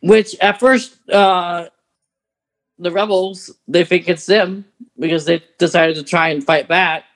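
A man's voice: high-pitched, fairly even intonation, slow, fairly bright tone. A man co-hosting a podcast, chatting casually and informally as an enthusiastic fan of sci-fi books. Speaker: podcast co-host.

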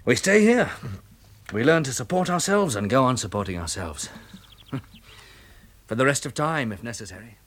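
An animated, mid-pitched British man, earnest and practical. He is a weary survivor farmer in a vintage radio play, matter-of-fact but with plenty of rise and fall. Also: normal speed, pauses often. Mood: grim, resolute. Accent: British English. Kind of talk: 1960s British radio drama acting.

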